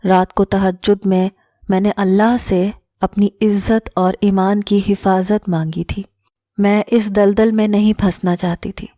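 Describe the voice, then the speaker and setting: A woman's voice: medium pitch, warm tone, no echo, studio quality. A woman narrating an emotional first-person story in an earnest reading style.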